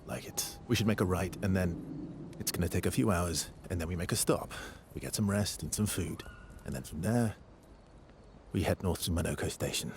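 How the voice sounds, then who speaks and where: A deep-voiced weary expedition veteran. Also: male voice, normal speed, vocal fry, slight background noise. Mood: planning. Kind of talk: video game cutscene acting. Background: cello and double bass score.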